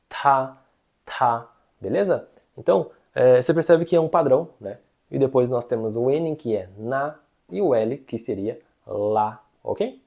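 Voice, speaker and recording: Brazilian tutor, warm low-key tone, patient, keeps checking the student follows. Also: husky. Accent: Brazilian Portuguese. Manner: patient, checks in often with tag questions; drawn-out repeated syllables to model pronunciation. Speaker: Mandarin teacher. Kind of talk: online language lesson.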